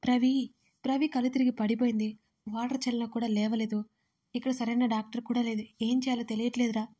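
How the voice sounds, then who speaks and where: A woman's voice: on the high side, level tone, mellow, close to an everyday voice. A woman voicing a panicked young man. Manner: panicked, rushed pleading. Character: frantic young man calling for help.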